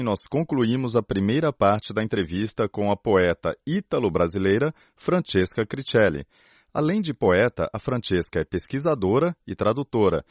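Male radio host, low-pitched, measured and calm, dry and slightly muffled studio sound. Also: no echo. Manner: calm, measured, short prompts. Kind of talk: radio interview and closing announcement.

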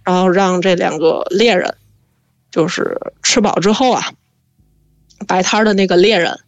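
A woman telling a spooky family story in a lively, chatty way, drawing out her fillers. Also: on the low side, moderate pace, no echo, dull audio. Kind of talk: casual spoken storytelling.

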